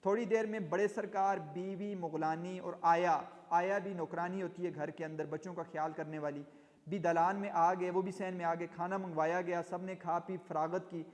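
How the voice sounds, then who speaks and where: A man's voice: high-pitched, steady tone. A male teacher reading a story aloud and explaining it line by line, glossing hard words as he goes. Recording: long reverb in an echoey room.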